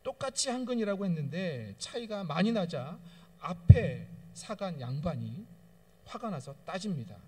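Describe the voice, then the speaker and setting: A man preaching a sermon as a pastor and leading prayer, speaking earnestly and building to loud, fervent pleas. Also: sits high, sing-song, normal speed. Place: church sanctuary.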